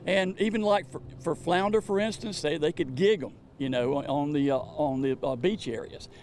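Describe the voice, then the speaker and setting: A man giving an unscripted interview soundbite, halting and repeating words as he explains. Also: a little high, darkish tone, slight background noise. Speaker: fishing event organizer being interviewed.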